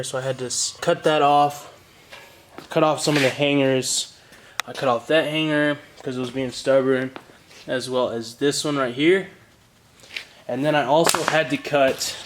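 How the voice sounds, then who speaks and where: A man hosting a casual how-to vlog, explaining things in an informal, plain-spoken way. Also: medium pitch. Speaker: host of a car DIY channel.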